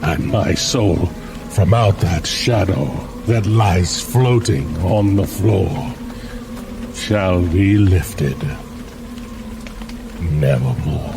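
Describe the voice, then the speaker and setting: Slow theatrical man reading gothic poetry. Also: low-pitched, noisy background. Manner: theatrical, drawn-out delivery. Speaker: podcast host. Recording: music bed under the voice. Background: soft instrumental music.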